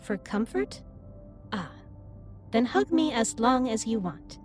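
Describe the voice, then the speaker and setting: A woman plays a female alien starship captain in a sci-fi roleplay, gentle and earnest. Her voice sits fairly high and moves in very lively swings of pitch. She words things formally and precisely, a little stiffly, as she talks directly to the listener. Faint music runs underneath. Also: takes it slowly. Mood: tender, sincere. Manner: formal, precise, slightly stilted wording. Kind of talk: scripted roleplay audio, addressed to the listener.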